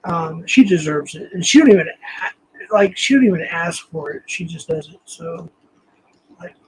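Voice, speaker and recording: A man hosting a casual livestream, hoarse and losing his voice, rambling and reading the chat aloud. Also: fairly high pitch, expressive, moderate pace, noisy background. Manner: rambling, reads chat aloud, frequent ums. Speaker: livestream host.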